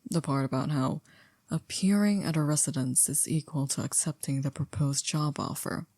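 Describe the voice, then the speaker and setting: Casting: woman as unflappable formal servant of a vampire house, very low mellow voice, dry ASMR delivery. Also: dry recording. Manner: polite, measured, gently wry. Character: composed, formal, dryly teasing female household servant. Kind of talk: ASMR roleplay acting.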